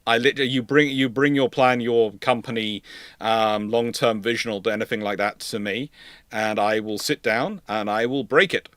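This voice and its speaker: A man answers live questions as host of a naval history stream and consultant, hesitating, repeating and emphatically restating his explanations. His medium-pitched voice is steady and a bit bright at a normal speed, studio quality with no room sound.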